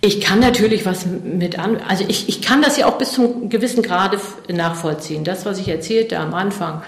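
A woman's voice: mid-range voice, fairly quick, echoey room. A middle-aged woman from eastern Germany answering interview questions thoughtfully, with many fillers and restarts. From East Germany.

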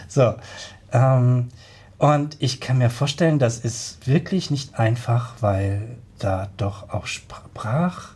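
A man hosting a radio interview, halting and filling pauses with many hesitations. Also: mid-range voice, dark tone, breathy edge. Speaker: radio host.

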